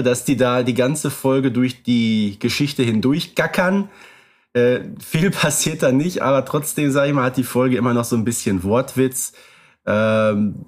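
A man co-hosting a podcast, chatting in a relaxed conversational way with occasional fillers. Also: medium pitch. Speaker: podcast co-host. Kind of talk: casual podcast chat.

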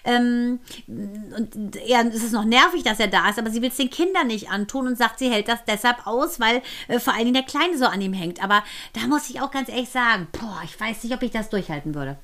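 A woman co-hosting a podcast, chatting casually and telling an animated story, acting out the quoted lines and laughing often. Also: fairly high pitch, a little fast, hardly any pauses. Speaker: podcast co-host. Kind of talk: casual chat.

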